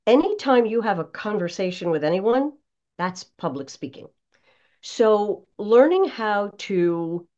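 A woman's voice: medium pitch, darkish tone. Older American woman, dull lo-fi audio. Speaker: broadcast voice coach, podcast guest. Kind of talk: conversational interview.

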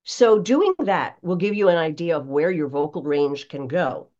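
A woman voice coach explains things in a conversational interview style. Her pitch sits a little low but swings in a very animated, emphatic way. The recording is slightly dull and lo-fi. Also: normal speed. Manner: expressive, emphatic, acts out examples. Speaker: voice coach, guest.

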